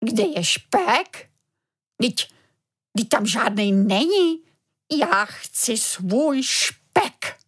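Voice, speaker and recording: A woman's voice: medium pitch, animated, natural voice. A woman voicing a boisterous father who loves his dumplings, in a children's storybook reading. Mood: dismayed. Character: excitable dumpling-loving father, grown man.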